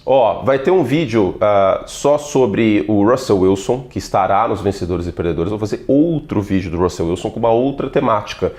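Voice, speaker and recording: A middle-aged man from São Paulo with a neutralized accent, hosting a solo football commentary video in an animated, playful, chatty way with lots of asides. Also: fairly low pitch, normal speed, few pauses. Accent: neutralized São Paulo Portuguese. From São Paulo, Brazil. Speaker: NFL analyst and channel host.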